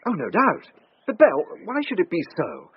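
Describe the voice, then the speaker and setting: A man's voice: sits high, huge pitch swings, normal speed. An actor playing an eager young army captain pressing his suit in a radio drama. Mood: pleading. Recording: dull broadcast audio, faint hiss.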